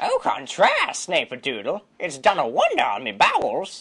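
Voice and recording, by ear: A put-on character voice carries the speech at a moderate pace.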